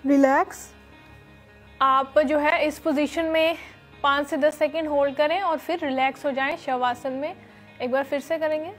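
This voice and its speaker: A young woman teaching yoga in a studio, giving calm step-by-step instructions with many fillers, on a lapel mic. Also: sits high, a little slow, faint music behind. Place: studio with red floor and dark curtains.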